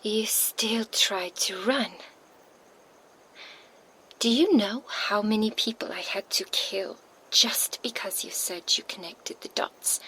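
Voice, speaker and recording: A woman's voice: mid-range voice, slight background noise, low-quality recording. A woman whispering as a taunting vampire. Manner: soft unvoiced whisper, slow and taunting. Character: cold, menacing female vampire enforcer. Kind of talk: ASMR roleplay, whispered. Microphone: binaural microphone.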